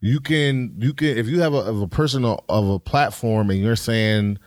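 A man's voice: medium pitch, normal speed, a little mellow, no room sound, studio quality. A man with an African American New York accent in casual podcast chat, slangy, profane and outspoken. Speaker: podcast co-host.

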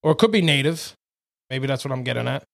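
A man's voice: mid-range voice, fast, vocal fry, fairly bright tone. A man co-hosting a podcast, chatting casually in a laid-back, slangy way with some swearing. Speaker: podcast co-host. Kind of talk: casual chat with a friend.

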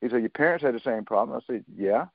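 A man in his seventies speaks as a radio guest over a tinny phone line with a dry sound. He talks haltingly, with many fillers and restarts, and retells conversations as dialogue. His pitch sits in the middle range for a man. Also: animated, gravelly, breathy edge, no echo. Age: 70s. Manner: storytelling, quoting others in dialogue. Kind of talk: interview on a talk radio show.

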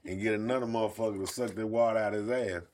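A man's voice: fairly low pitch, fairly even intonation, fast talker, over a noisy crowd. A man speaking African American English in casual conversation, blunt and freely profane, telling stories in a streetwise way.

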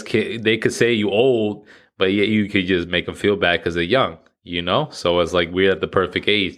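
A man in his thirties with a fairly low voice delivers a casual monologue straight to his viewers. He rants with lots of slang and swearing, getting animated as he goes. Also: gravelly. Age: 30s. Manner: profane, animated ranting with slang. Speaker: vlogger.

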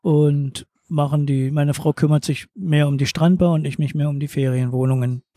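A man from eastern Germany who runs a beach bar and holiday flats, answering interview questions in a relaxed, plainspoken way. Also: fairly high pitch, normal speed, no echo, clean studio sound.

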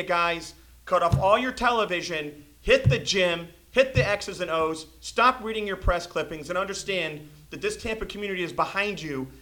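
A man's voice: high voice, sharp tone. Passionate man ranting about sports. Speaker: podcast host. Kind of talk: casual sports talk.

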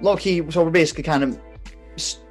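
A man's voice: a little high, quick pace, soft background music. A man co-hosting a podcast, telling a story in loose, slangy, rambling casual chat full of fillers. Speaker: podcast co-host.

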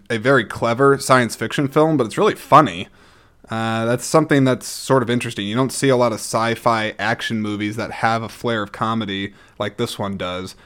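A man's voice: mid-range voice, a bit bright. A man hosting a casual solo vlog, rambling along in a chatty, enthusiastic way as he gives his opinions. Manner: enthusiastic, chatty, frequent throat-clearing. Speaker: host reviewing own movie collection.

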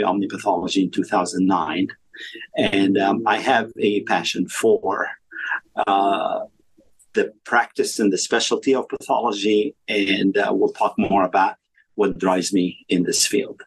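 A man's voice: fairly low pitch, breathy edge, poor audio. A man in his fifties from Egypt, a pathologist talking through his career in an interview, thoughtful and full of fillers and restarts. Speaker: podcast guest, pathologist. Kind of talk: conversational interview.

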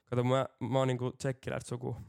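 A man's voice: medium pitch, completely flat delivery, vocal fry, a little mellow, clean tone. A middle-aged man co-hosting a casual podcast, dry and blunt, swearing freely. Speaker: podcast co-host. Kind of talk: casual chat.

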